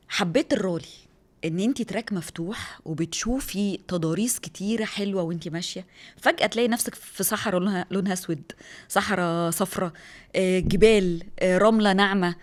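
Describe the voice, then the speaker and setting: Quick, excitable Egyptian woman in her thirties. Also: on the low side. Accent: Egyptian Arabic. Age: 30s. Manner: lively, excitable storyteller. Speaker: rally driver guest. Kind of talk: casual interview talk.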